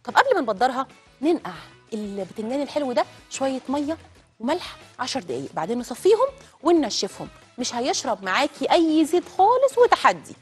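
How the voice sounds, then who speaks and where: A high-voiced woman with an Egyptian accent talks viewers through a recipe at a breakneck clip, chatty and direct. She cooks in a studio kitchen, with her pitch swooping up and down and faint music under the sizzle of the pan. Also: sing-song, fast. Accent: Egyptian Arabic. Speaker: TV cooking show host. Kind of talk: live cooking demonstration.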